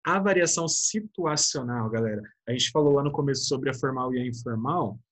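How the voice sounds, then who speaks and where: A Brazilian man in middle age gives a relaxed online class. His voice is a little husky and sits at an ordinary pitch. He talks in a loose, chatty way and keeps checking in with the students. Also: brisk. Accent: Brazilian Portuguese. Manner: chatty, keeps adding "né?" and addressing students as "galera". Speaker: teacher. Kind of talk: casual online class lecture.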